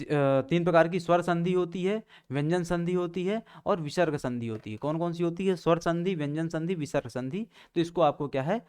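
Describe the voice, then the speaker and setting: A male teacher giving an exam-prep lecture, who keeps asking rhetorical questions and answering them himself, repeating key points and pausing with fillers. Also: a little high, a little mellow, clear, resonant tone.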